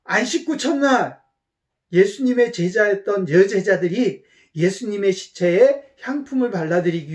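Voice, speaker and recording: Lively woman teaching a children's sermon. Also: fairly high pitch. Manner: warm storytelling to children, asks questions, animated.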